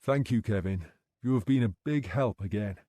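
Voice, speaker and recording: A man voicing a calm, patient male detective who questions people gently and in a measured way. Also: fairly low pitch, no room sound, lightly acted.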